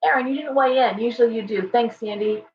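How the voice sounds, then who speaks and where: A woman hosting a casual tarot livestream, chatty and hoarse, thanking viewers by name as she reads the cards. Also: on the high side, quick pace, recorded from a distance, a little hiss or hum. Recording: dull, roomy livestream audio from off-mic.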